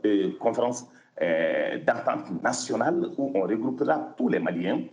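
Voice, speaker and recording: A man's voice: fairly low pitch, sing-song, unhurried, a little mellow, dull audio. A man, an opposition spokesman making an emphatic statement full of restarts and repetitions. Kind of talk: interview statement. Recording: roomy echo.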